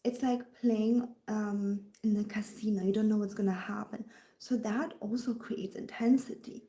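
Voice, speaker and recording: A German-accented woman works as a dating coach and chats casually with her livestream viewers, frequently slipping into a whisper and replying to comments as they come in. Her medium-pitched voice is mellow and steady, at a normal pace, and the sound is reverberant.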